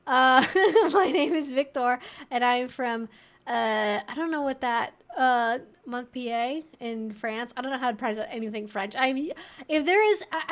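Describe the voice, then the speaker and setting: A woman's voice: high-pitched, fairly bright tone. A woman hosting a livestream, chattily and informally reading and answering viewer comments.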